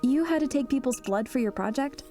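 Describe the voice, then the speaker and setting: A woman's voice: high-pitched, expressive, fairly quick, music in the background. A young woman playing a guarded, wry teenage daughter in an audio drama, with an understated, questioning manner. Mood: concerned.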